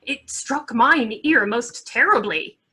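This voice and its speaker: Woman doing scheming noble in shakespeare radio play, urgent, slow husky voice w big swoops. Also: fairly high pitch, animated, bright, forceful tone, exaggerated voice. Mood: alarmed, emphatic. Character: scheming noble making urgent excuses to the king.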